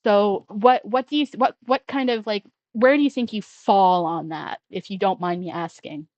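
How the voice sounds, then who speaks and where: A trans man hosting a casual call-in show, talking in a rambling way with many restarts and trailing off quietly. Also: high voice, moderate pace, no echo, muffled recording. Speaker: podcast host taking call-ins. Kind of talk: casual conversational chat.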